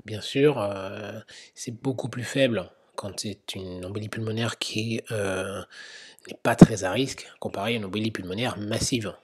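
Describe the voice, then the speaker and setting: A man's voice: lowish voice, normal speed, husky. A man giving a slide lecture on medical guidelines, explaining step by step with frequent hesitations and occasional whispered asides.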